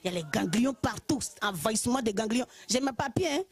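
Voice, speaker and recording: Ivorian woman, husky and higher-pitched, telling a church testimony with lively humor. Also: quick pace, soft background music. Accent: Ivorian French. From Côte d'Ivoire. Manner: lively storytelling, often laughing. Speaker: church member giving testimony.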